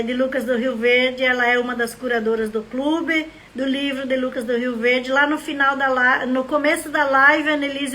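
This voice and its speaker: A woman from southern Brazil talks casually on a live stream, her voice sitting high in her range. She speaks in a rambling, reflective way and greets viewers by name as their comments come in. There is a faint hum of noise behind her. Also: sharp tone. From Rio Grande do Sul, Brazil. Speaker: live stream host, member of a literary academy.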